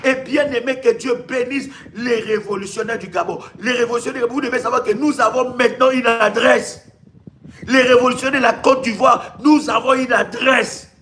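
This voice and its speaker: A pastor and ministry leader from Congo preaches over a live stream at normal speed, his voice extremely high-pitched, steady in tone and a bit bright. Emphatic and repetitive, he uses rhetorical questions and stammers into restarts while making his case, with faint noise behind him.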